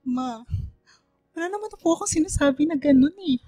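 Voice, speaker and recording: A woman's voice: high voice, expressive, fairly quick, mellow, no room sound, clean studio sound, faint music behind. A woman playing a hurt young gay son in a Filipino radio drama, pleading respectfully.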